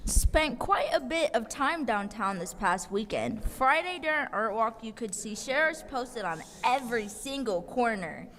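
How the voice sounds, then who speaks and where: A young woman speaks at a city council meeting, her comments impassioned and accusing. Her voice sits fairly high. It rings with the long reverb of a council chamber. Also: lively intonation, a little slow, few pauses, a bit bright, a little hiss or hum. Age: young adult. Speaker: public commenter. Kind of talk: prepared public comment.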